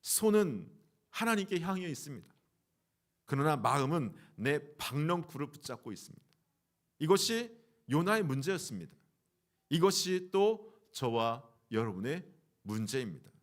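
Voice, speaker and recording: A man's voice: fairly high pitch, sing-song, normal speed. A male pastor preaching a Sunday sermon, asking the congregation questions and acting out the voices of Jonah and God.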